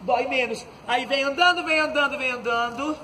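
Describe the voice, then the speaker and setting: A Brazilian man leading an outdoor stretching class, giving calm breathing cues and joking lightly as he moves the group through each pose. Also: very high-pitched, brisk, a little hiss or hum. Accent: Brazilian Portuguese. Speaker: fitness instructor. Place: outdoor court, large open space. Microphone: far camera on the ground. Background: background music.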